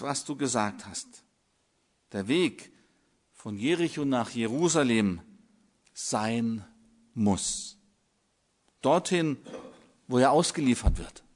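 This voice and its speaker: An older man preaching a sermon in a measured way, with long dramatic pauses. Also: medium pitch.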